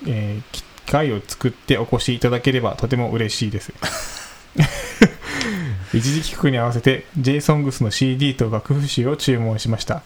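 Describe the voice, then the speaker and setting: A man's voice: mid-range voice, normal speed, poor audio. Male podcast co-host, polite and modest, mid-range voice, faint background hiss. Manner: polite, modest, laughs easily. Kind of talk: reading a listener letter and casual chat.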